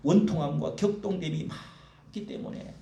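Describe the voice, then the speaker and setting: A man's voice: a little high, moderate pace, gravelly, warm tone, reverberant, a little hiss or hum. A man voicing a grieving woman who pleads her innocence earnestly and solemnly. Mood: pleading.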